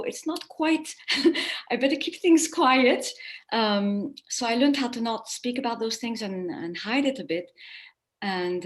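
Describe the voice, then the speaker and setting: A woman guest recounting her own story in a loose, rambling way. She restarts her sentences and laughs lightly now and then. Her voice sits at a middle pitch. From born in America, raised in Spain and France. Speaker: guest, animal communicator. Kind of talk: conversational interview storytelling.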